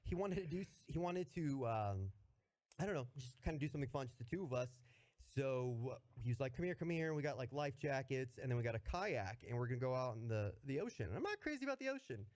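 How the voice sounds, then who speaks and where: A man in casual podcast chat, telling a story in a halting, self-deprecating way and laughing at himself. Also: medium pitch, sing-song, a little mellow.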